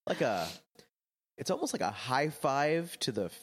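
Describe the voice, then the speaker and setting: A man's voice: medium pitch, very animated, a little slow, husky. A man talks casually as a podcast co-host, walking through scenes. He slips in wry, dry grumbles as he goes. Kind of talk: casual chat.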